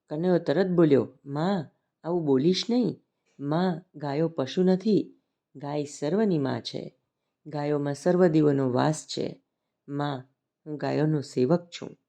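A man giving a devotional scripture discourse, telling the story in a measured, reverent way. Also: on the high side, warm tone.

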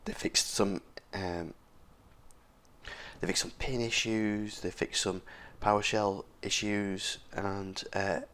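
A man's voice: lowish voice, steady tone, takes it slowly, a bit bright. A man with a scratchy, sore voice, casually hosting a tech walkthrough with frequent fillers and restarts. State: hoarse, sore throat. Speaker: tech video host. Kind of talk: casual screen-recorded walkthrough.

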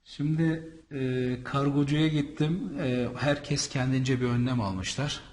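A man's voice: mid-range voice, takes it slowly, a little mellow. A man from the east of Anatolia talks through a casual vlog, chatty and rambling, with plenty of fillers and restarts. His voice sits in the middle range for a man. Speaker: visa and travel consultant.

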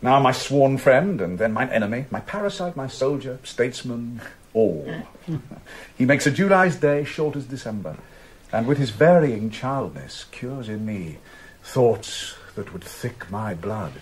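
A man's voice: mid-range voice, lively intonation, measured pace, close to an everyday voice. An actor playing a visiting king in a radio drama, speaking fondly and tenderly about his son. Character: visiting king, fond father, grown man.

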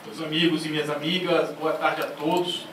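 A man's voice: a little high, level tone, normal speed. A man, an agency director, giving a ceremonious formal speech at a conference panel into a handheld mic. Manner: ceremonious, greeting officials one by one. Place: large conference auditorium. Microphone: handheld mic, seated at a panel table. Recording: echoey hall from far off, clear noise.

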